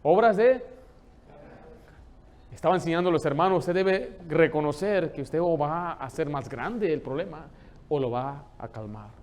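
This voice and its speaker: A man, preaching a lively sermon in a church and telling stories with humor. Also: a little high, normal speed. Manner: lively storytelling, joking with the congregation. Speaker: pastor.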